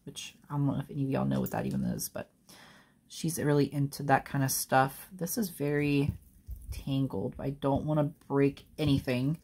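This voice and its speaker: A young woman vlogging a jewelry unboxing in a casual, excitable, gushing way, laughing often. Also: rumbling low, normal speed, slightly rough.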